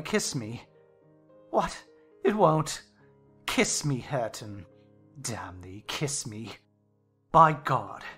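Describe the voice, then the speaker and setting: Volatile, drunken gentleman father played by a woman, threatening rants for a dramatized classic novel, music behind. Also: very deep voice, husky, voice pushed down, full character voice. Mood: coaxing, then furious. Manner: ranting, threatening, swinging from fury to coaxing. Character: drunken, raging, menacing country gentleman and father. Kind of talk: dramatized audiobook character acting.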